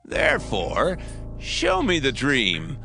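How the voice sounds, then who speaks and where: A man's voice: mid-range voice, wildly swooping pitch, slow, creaky, sharp tone, soft background music, full character voice. A man playing a troubled, threatening Babylonian king in a dramatized scripture reading, commanding and declamatory. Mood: stern, threatening.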